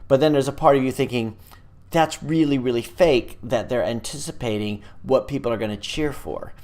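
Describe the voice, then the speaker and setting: A middle-aged man hosting a casual live stream, chatting loosely with many pauses and restarts. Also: mid-range voice, a little mellow. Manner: rambling and hesitant, many fillers and restarts. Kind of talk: casual live-stream chat, reading viewer comments.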